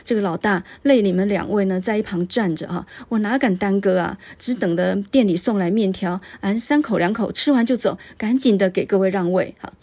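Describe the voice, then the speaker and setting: A woman's voice: mid-range voice, a little fast, few pauses, breathy edge. Woman doing a meek, polite old adjutant. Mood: placating. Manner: soft, deferential, placating. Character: humble older man, polite soft-spoken adjutant.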